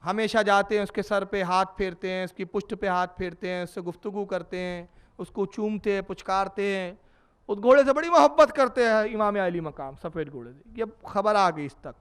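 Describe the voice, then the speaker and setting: A preacher with a high voice tells a story in a religious sermon. His narration is dramatic and repeats phrases for effect. His tone is smooth and resonant. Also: normal speed, fairly bright tone.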